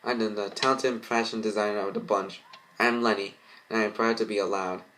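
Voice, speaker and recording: A man's voice: lowish voice, fairly even intonation, fairly quick, pushed and bright, a little hiss or hum, low-quality recording. A man playing a kind, forgiving young woman in a storybook reading, earnest and plain.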